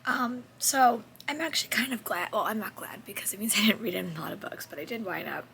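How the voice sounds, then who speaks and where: A woman in her thirties with a sore, hoarse voice, half-whispering through a chatty book wrap-up vlog. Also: mid-range voice, fairly quick, sharp tone, a little hiss or hum. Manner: chatty, rambling with self-corrections. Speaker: book vlogger. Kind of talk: casual book wrap-up chat.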